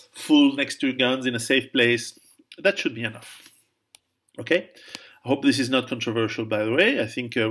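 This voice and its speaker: Casting: man, author fielding viewer questions, halting delivery full of "um" and restarts, middle pitch. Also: fairly bright tone. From Italy, raised in Switzerland. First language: Italian. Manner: hesitant, many restarts and fillers, laughs at own jokes. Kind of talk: casual Q&A monologue.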